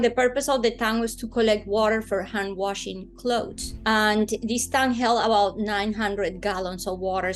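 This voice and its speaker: High-voiced Colombian woman telling her story. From Bogota, Colombia. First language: Spanish. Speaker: guest telling a personal story. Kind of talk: personal storytelling in an interview.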